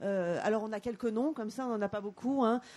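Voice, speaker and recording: Here is a woman with an unremarkable speaking voice, pitched fairly high. She moves at a moderate pace with ordinary pitch variation. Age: 50s. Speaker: actress and producer. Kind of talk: panel discussion.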